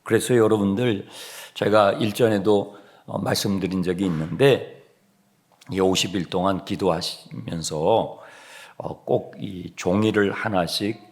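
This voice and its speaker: A male pastor preaching an expository sermon, animated, sometimes dropping to a hushed whisper for emphasis. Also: sits low, measured pace. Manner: animated, acts out complaining voices and sings hymn lines.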